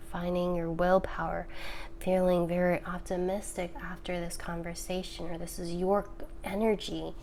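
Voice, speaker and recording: A woman with a raspy, congested voice giving a casual tarot reading to camera, chatty and reassuring, sometimes dropping to a whisper. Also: fairly low pitch, darkish tone, slight background noise. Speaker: tarot reader.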